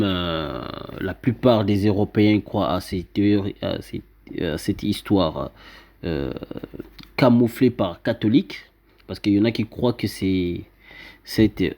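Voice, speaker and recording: A man explaining a writing system he invented to viewers, pointing at a screen and talking haltingly with many fillers and restarts. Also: on the low side, mellow. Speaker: self-styled teacher presenting his invented script. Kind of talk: informal explanatory talk over a screen.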